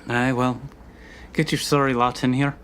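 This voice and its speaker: A woman's voice: a bass voice, little pitch movement, moderate pace, fairly bright tone, slight background noise. A woman voicing a brusque but hospitable punk woman in a tabletop game, with a teasing, bossy, folksy manner. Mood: wry, teasing. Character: brusque, hospitable young punk woman running a back-alley hideout. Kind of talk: tabletop roleplay.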